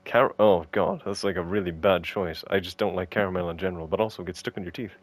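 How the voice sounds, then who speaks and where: A man's voice: sits low, steady tone, fast talker, no echo. A man co-hosting a casual podcast, joking and teasing, with exasperated rants. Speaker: podcast co-host.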